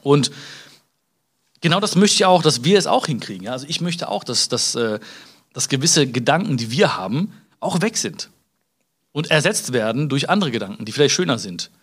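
A man's voice: mid-range voice, big pitch swings, moderate pace, a bit bright, slightly rough. A man from Germany hosting a casual self-help podcast, talking straight to the listener with frequent tag questions, fillers and restarts. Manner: hesitant restarts and filler sounds. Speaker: podcast host.

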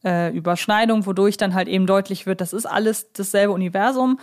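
A woman with a medium-pitched voice co-hosts a fan podcast. She talks in a conversational way, pausing to rephrase and correct herself as she thinks things through. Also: steady tone. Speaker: podcast host.

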